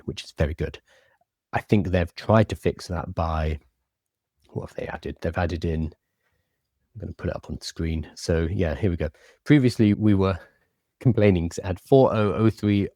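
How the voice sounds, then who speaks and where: A man hosting a casual live stream, chatting with a lisp and soft R's that sound like w's. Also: deep voice, no room sound, studio quality. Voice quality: lisp, can't say his R's, says w for r. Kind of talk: casual live-stream chat, answering viewer comments.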